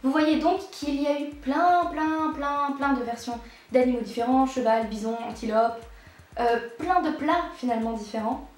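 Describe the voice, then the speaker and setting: A woman giving a playful, chatty explainer to her viewers, with quick asides along the way. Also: high voice, faint music behind. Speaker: YouTube educator. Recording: echoey room.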